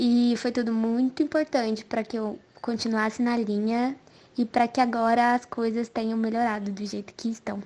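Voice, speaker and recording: Over a quiet background, a woman with a fairly high pitch and a dark, mellow tone speaks at a moderate pace in a monotone, flat intonation. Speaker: listener sending voice message. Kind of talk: recorded voice message.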